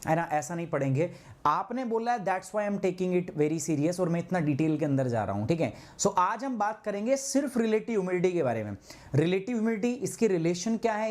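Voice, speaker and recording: A man's voice: high voice, a little mellow. A man teaching a live online class, chatty and scolding, who keeps checking in with his students as he switches between two languages. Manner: chatty and scolding, mixing Hindi and English, often saying "ठीक है".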